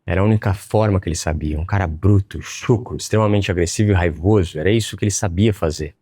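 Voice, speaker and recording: A man with a Brazilian Portuguese accent and a low, dark, slightly rough voice talks fast, telling a personal story bluntly, profanely and emphatically as a motivational speaker. An online business educator, he calls viewers "rapaziada"; the studio sound is clean with no echo.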